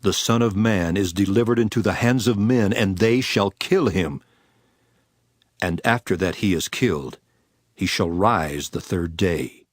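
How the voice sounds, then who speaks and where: Low, solemn Jesus acted by a man, declamatory. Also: a little slow, no room sound, clean studio sound. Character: Jesus, solemn authoritative teacher and healer. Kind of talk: dramatized King James scripture reading. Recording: music behind the voice. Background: music.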